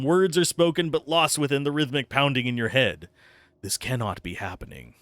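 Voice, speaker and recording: A man with a mid-range, fairly bright voice streams a game, giving live commentary and reading the game's text aloud. He's close to the microphone with no echo, and faint game music plays behind him.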